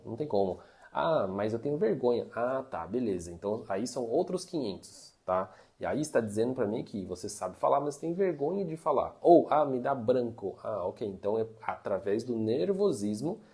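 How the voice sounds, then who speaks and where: A man's voice: mid-range voice, mellow. A man teaching Mandarin tips in a chatty, casual monologue, full of fillers. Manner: chatty, uses many fillers like "né" and "tá".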